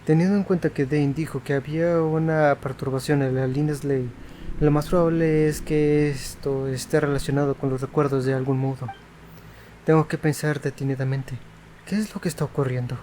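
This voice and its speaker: A quick-talking Mexican man with a slightly high voice comments casually on a game he is playing. He reads dialogue aloud, with faint noise behind him. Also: steady tone, dark tone. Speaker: gamer doing a playthrough.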